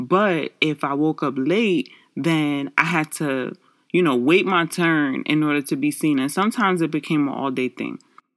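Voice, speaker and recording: In a New York accent, a woman speaks at a moderate pace with a very deep, low pitch and ordinary pitch variation. The recording is very clean, with a silent background. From Bronx, New York; Honduran Garifuna family. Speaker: podcast host. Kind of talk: casual solo podcast monologue.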